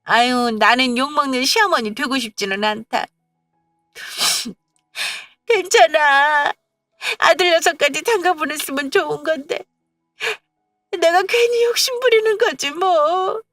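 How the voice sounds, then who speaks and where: A woman's voice: sits high, takes it slowly, long pauses, a bit bright, dry recording, far from the mic, soft background music, voice pushed up. A woman voicing a self-pitying older mother-in-law who sighs and sobs in a fussy way. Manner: sighing, sobbing, fussy.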